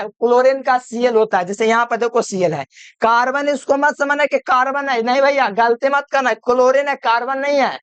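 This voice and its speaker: A chemistry teacher gives a classroom-style video lecture, his voice very high-pitched with a fairly bright, smooth tone. He repeats each point and quizzes the listener with call-and-answer questions. The recording is dry and the audio dull.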